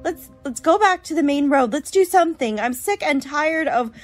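A woman's voice: sits high, expressive, normal speed, soft background music. A woman playing a weary, sarcastic young college student in a radio play, blunt and grumbling. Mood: irritated, tired.

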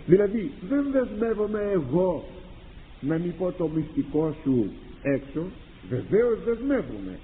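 A man preaches to his congregation, his slightly high voice leaping up and down as he fires rhetorical questions and acts out little exchanges. The sound is thin and tinny, like an old archive tape, with a long reverb trailing each phrase and faint noise underneath. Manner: animated, rhetorical questions and acted-out dialogues. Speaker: priest and confessor. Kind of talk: sermon.

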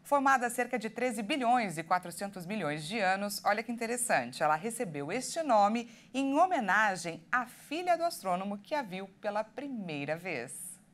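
A woman's voice: medium pitch, big pitch swings, moderate pace. Woman anchoring a TV news desk. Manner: friendly scripted delivery. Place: television news studio.

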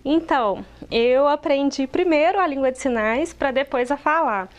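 A woman's voice: high voice, normal speed, dull audio. A woman in her forties, a sign language interpreter, speaking steadily and explaining on a TV talk show, recorded in a studio on a lapel mic. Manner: steady, explanatory, with frequent restarts. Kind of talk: TV talk show guest, voicing a deaf guest's answers.

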